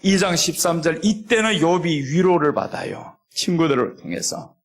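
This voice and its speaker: A middle-aged male pastor delivers a sermon in a high-pitched voice. He preaches expressively, acting out quoted voices and reading scripture slowly. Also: lively intonation.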